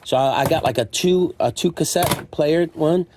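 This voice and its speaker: A middle-aged man who owns a secondhand store shows off his stock, chatting to camera in a casual, rambling, self-deprecating way and acting out imagined remarks. His voice is a little high and moderately paced, over clear background noise with clicks.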